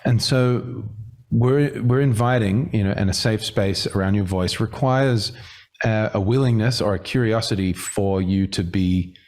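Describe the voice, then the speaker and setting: A man speaking as a voice coach in a conversational teaching style, halting and reflective, gently inviting the listener in. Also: fairly low pitch.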